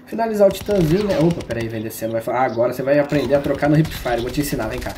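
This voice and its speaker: A man's voice: medium pitch, rapid-fire, warm tone, slight background noise. A man with a Brazilian Portuguese accent streaming a shooter game, giving slangy, joking live commentary and teasing his viewers.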